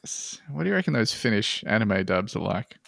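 Gravelly, lively man podcasting. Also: on the low side, a little fast, no echo. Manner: jokey, deadpan asides, frequent laughs. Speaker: podcast co-host reading listener posts. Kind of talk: casual comedic podcast chat.

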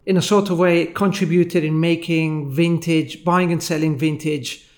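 Italian-accented man, fairly high voice. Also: fairly even intonation. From Italy. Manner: measured and reflective, pauses often with filler sounds. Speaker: founder, interview guest. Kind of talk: casual interview storytelling.

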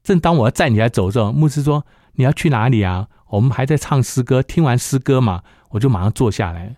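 Middle-aged man, mellow tone, dry close recording, personal testimony told as a story with acted-out dialogue. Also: mid-range voice, lively intonation, fast, dry recording. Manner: storytelling that acts out the dialogue of others. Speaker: church member giving testimony.

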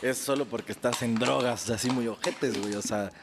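A man's voice: mid-range voice, fairly quick, background noise. A Mexican man in crude casual banter, explaining his point with dry humor and laughs.

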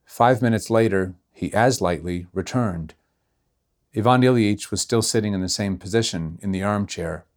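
A man reading a classic novella aloud in measured, unhurried narration. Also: fairly low pitch. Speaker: reader. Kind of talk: audiobook narration.

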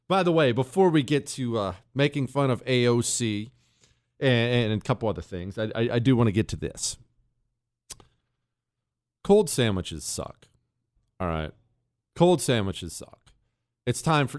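A man hosting a talk radio show, ranting in mock outrage and teasing his co-host. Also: medium pitch. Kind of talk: opinionated talk radio monologue.

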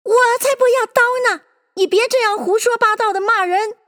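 A woman's voice: very high voice, moderate pace, fairly bright tone, in a large hall, pitched above the performer's own voice. A woman voicing a touchy, easily offended male mouse in a storybook reading, speaking snappishly. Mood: furious. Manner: snappish, indignant.

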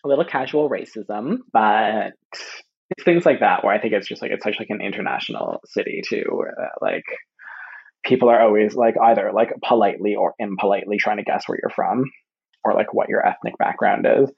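A young Canadian man, a podcast guest, chatting casually with lots of fillers and lively quoted asides. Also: fairly low pitch, brisk, gravelly, husky, dull audio. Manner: chatty, full of fillers, animated quoting. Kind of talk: casual chat.

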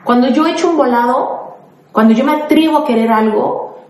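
Her voice is high and reverberant, and she talks at a moderate pace. She's a Mexican-accented life coach running a podcast, responding to listeners by name with warm, conversational motivational advice.

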